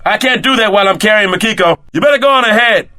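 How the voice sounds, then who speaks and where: An actor playing a streetwise, wisecracking tough sidekick in a video game, wry and wary, with slangy delivery. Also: male voice, high voice, fast talker, pushed and bright, no room sound, studio quality. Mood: wry, strained.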